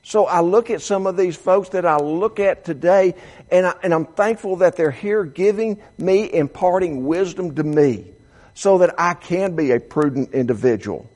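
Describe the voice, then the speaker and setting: A man's voice: sits high, normal speed, darkish tone. A man of seventy preaching a sermon, reading quotations aloud and often stumbling and restarting his sentences. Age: 70s. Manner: reads quotes aloud, frequent stammered restarts. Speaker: pastor.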